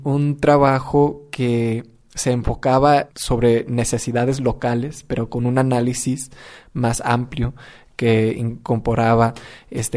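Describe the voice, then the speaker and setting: A man's voice: mid-range voice, darkish tone. A young man, a community organizer, telling his story with many restarts and fillers. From United States. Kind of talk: personal storytelling.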